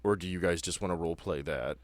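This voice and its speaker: Male game master, lowish pitch, dry sound, informal and joking, casual podcast table talk. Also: quick pace, no echo.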